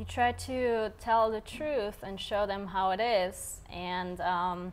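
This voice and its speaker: With a Russian accent, a woman speaks at a very slow pace in a medium pitch with ordinary pitch variation. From Russia and Germany. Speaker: fashion blogger and store owner. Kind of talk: interview.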